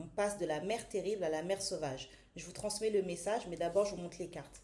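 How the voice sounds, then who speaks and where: With audible room echo, a woman speaks at medium pitch in a dark, mellow tone with ordinary pitch variation. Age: 30s. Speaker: tarot card reader. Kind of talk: oracle card reading. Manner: halting, many fillers and repetitions.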